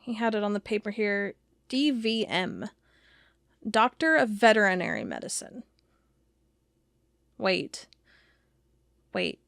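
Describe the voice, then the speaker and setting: A woman's voice: mid-range voice, very animated, slow pace, creaky, long pauses, fairly bright tone, dry recording, studio quality, exaggerated voice. A woman playing a startled investigator piecing together a discovery in an audio drama. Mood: puzzled.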